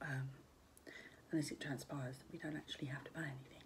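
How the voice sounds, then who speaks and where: Whispering softly in a gentle, somewhat breathy tone, a woman speaks at a moderate pace over noticeable background noise. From UK. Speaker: ASMR eating vlogger. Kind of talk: ASMR casual talk to camera while eating. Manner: soft-spoken, whispery, gentle. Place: home room. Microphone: phone near.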